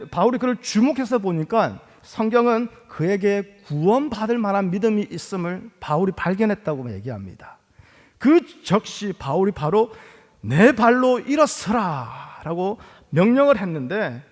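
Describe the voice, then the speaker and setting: A male pastor from Gyeongsang with a Gyeongsang accent, preaching a sermon with animated storytelling and humor. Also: high-pitched. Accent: Gyeongsang Korean. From Gyeongsang, South Korea. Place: church sanctuary. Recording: long reverb of a large hall.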